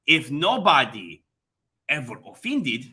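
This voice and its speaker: A man's voice: medium pitch, wildly swooping pitch, sharp tone, full character voice. A man voicing a pompous, scolding authoritarian villain in a mock German accent and broken English, as a livestream caricature. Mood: menacing, scolding. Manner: slow, theatrical, haughty, scolding.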